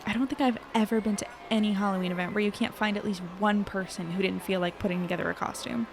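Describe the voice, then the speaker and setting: A woman's voice: mid-range voice, steady tone, fast, noisy background, close to an everyday voice. An actress playing a friendly, talkative, wry young woman in a naturally acted audio drama. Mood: amazed.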